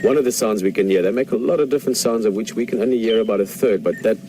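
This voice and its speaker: A man's voice: fairly low pitch, rapid-fire, dark tone. South African man guiding a safari. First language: Afrikaans. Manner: enthusiastic, chatty, answering viewer questions. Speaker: safari guide. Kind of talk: live safari commentary. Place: outdoors, open game-drive vehicle in the bush. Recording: outdoor noise, vehicle and birds.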